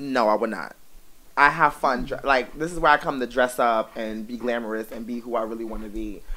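The voice moves at a fairly quick pace with ordinary pitch variation and big swings in loudness. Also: woman, very deep, low pitch for a woman. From New York, the Bronx. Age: 20s. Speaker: ballroom performer; podcast co-host or guest. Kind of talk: casual chat. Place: studio. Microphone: studio mic.

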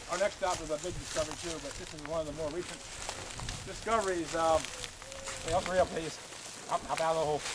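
Noticeable background noise fills the clip. Over it, a man speaks at a very fast pace. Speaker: archaeology site guide. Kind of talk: field tour talk to a group. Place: forest. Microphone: camera far.

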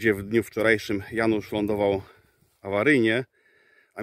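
Speaking at a very slow pace, a man is heard in a dry sound with no echo. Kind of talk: casual vlog chat. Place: open country.

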